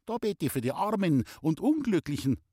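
A man reading an audiobook, voicing a sharp-tongued old village mother in a Bavarian accent, fussy and scolding. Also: sits high, very animated, normal speed, breathy edge, no room sound, clean studio sound, pitched above the performer's own voice, full character voice. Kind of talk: audiobook character voice.

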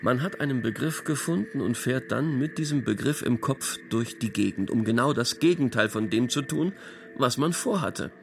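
A calm, cryptic intellectual in a radio drama. He speaks in measured, unhurried phrases at a middle pitch, with faint noise in the background. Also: creaky.

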